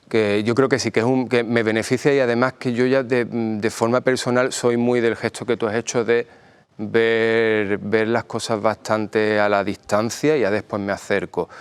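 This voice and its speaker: In an Andalusian accent, a man speaks at medium pitch with monotone, flat intonation and very even loudness on a very clean recording with a silent background. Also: moderate pace. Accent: Andalusian (Vélez-Málaga), kept. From Andalusia, Spain (Vélez-Málaga). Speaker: painter and illustrator. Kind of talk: interview. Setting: TV studio. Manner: halting, many fillers and repeats.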